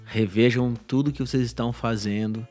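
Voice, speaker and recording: A man's voice: mid-range voice, fairly even intonation, moderate pace, a little mellow, soft background music. A man hosting a casual chat, mostly giving brief affirmations. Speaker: host.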